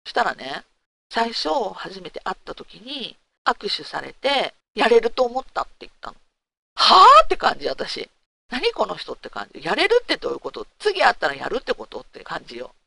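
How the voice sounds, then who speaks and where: A woman's voice: medium pitch, normal speed, gravelly, no echo. A woman hosting a talk segment, telling a personal story candidly and casually, asking her listeners rhetorical questions. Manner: frank and animated, asks listeners rhetorical questions.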